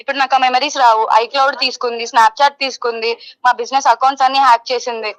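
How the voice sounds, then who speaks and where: A young woman speaks in a high voice at a quick pace. She is loud and insistent, repeating her points as she argues her side in a heated phone interview. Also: flat delivery, poor audio. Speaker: caller giving her side of a dispute. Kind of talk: heated phone interview, Telugu mixed with English.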